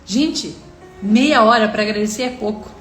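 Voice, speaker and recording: A woman's voice: mid-range voice, normal speed, fairly bright tone. A Brazilian woman giving an earnest devotional on a live stream, talking straight to her viewers and retelling what God said to her. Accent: Brazilian Portuguese. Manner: earnest, addresses viewers directly, quotes God in dialogue. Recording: echoey room with faint music.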